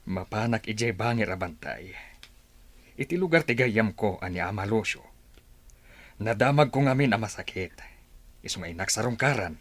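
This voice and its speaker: A man's voice: lowish voice, lively intonation, normal speed, pauses often, a bit bright, no room sound. A man playing a stubborn but reassuring tribal chief talking to his wife in an Ilocano radio drama.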